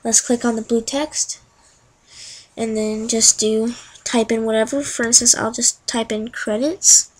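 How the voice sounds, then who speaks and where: A young woman chatting through each click in a casual screen-recorded software tutorial. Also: on the high side, little pitch movement, measured pace, poor audio. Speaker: tutorial narrator.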